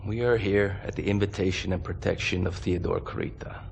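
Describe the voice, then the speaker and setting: An actor playing a grave, commanding mercenary officer in a video game cutscene, speaking in a measured, authoritative way. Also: male voice, sits low, steady tone, vocal fry. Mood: stern. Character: grave, commanding male mercenary officer briefing his unit. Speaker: military commander. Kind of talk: dramatic game cutscene acting.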